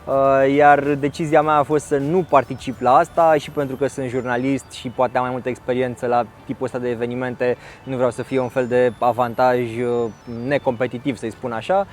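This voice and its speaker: A male journalist presenting a casual on-location report outdoors, relaxed and pausing often on fillers. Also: medium pitch, a little hiss or hum.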